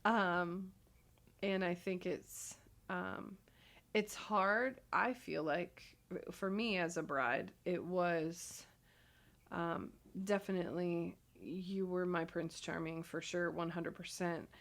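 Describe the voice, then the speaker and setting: A woman in her thirties co-hosting a casual marriage advice talk, agreeing often and filling pauses with ums. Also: lowish voice, a bit bright. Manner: agreeable, frequent affirmations and ums. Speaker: podcast co-host.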